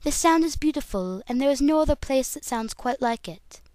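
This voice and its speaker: A woman's voice: high-pitched, lively intonation, moderate pace, warm tone, dry recording. A woman voicing a refined, proud female cartoon pony musician in a poised, haughty and formal manner.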